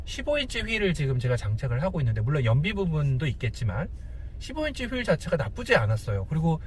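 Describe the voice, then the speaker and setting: Man, car vlog host, animated intonation, halting phrasing, casual and unscripted, noticeable vehicle noise in background. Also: fairly high pitch.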